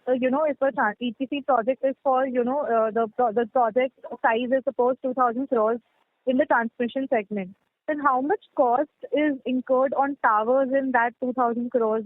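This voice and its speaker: A woman with an Indian accent asking polite, halting analyst questions on an earnings call. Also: a little high, no room sound. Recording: narrow phone line.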